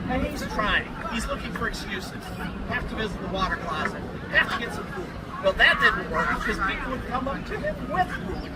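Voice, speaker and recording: High-voiced male bard storyteller, old-fashioned phrasing. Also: very animated, a little fast. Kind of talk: live theatrical storytelling to an audience. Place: outdoors at a Renaissance fair. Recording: noisy outdoor fair with crowd chatter.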